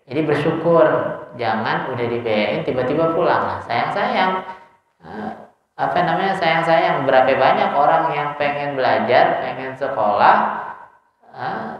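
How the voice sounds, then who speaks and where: Male preacher, casual and teasing, recorded with heavy echo and a dull sound. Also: mid-range voice. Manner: casual, teasing students with rhetorical questions. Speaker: religious teacher. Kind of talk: informal Islamic study lecture. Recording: echoey dull hall recording.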